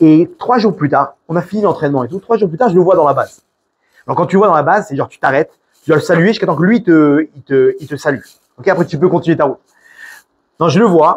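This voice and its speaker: Delivered at a very fast pace in an animated tone, the speech has ordinary pitch variation, long, frequent pauses and big swings in loudness. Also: man, high pitch for a man. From France. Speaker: Torah teacher. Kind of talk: religious lecture. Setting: class with audience. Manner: animated storytelling.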